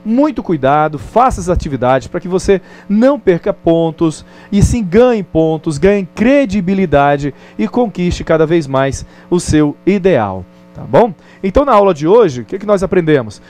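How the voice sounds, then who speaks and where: A Brazilian male teacher giving a recorded distance-learning lesson. He talks in a light, fairly high voice and keeps a friendly, conversational pace. He often stops to check in with the listener. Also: animated, normal speed, hardly any pauses, a little mellow. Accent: Brazilian Portuguese.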